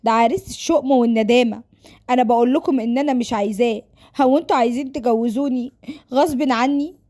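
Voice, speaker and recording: A woman acts out a defiant young Egyptian woman in a family drama story. Her voice is high and she talks very quickly. She complains and pleads with melodramatic distress, refusing to be married off. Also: mellow, close to an everyday voice. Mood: pleading, resentful.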